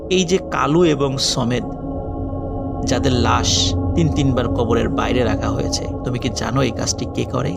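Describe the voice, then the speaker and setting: A haunted, troubled village man confesses in a low, grave, unhurried voice, as a male storyteller puts him on. His tone has a gravelly edge, with eerie music playing behind. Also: fairly even intonation. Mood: grim.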